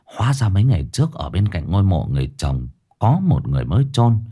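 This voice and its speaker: Guy reading a spooky village tale, really animated pitch. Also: fast, slightly rough, soft background music. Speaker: storyteller. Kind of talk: scripted ghost story narration.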